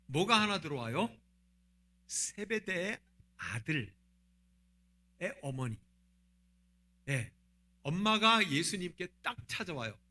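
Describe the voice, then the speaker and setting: A man's voice: a little high, sharp tone. A man, the senior pastor, preaching a sermon and asking the congregation rhetorical questions.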